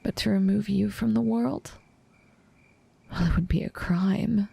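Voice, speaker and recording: A woman playing an infatuated assassin in an intimate audio roleplay, composed and menacing yet tender, speaking softly and often slipping into whispers. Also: medium pitch, steady tone, creaky, husky, heavily acted. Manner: soft, unhurried delivery slipping often into whispers.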